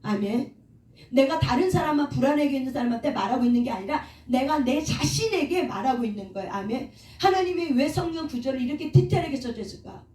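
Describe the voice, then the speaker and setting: High-voiced woman preaching in an echoey hall. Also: animated, fast talker, a little mellow. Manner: asks the congregation questions and answers them herself. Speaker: preacher and counselor. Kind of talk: sermon. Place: prayer hall. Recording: echoey room, voice from a distance.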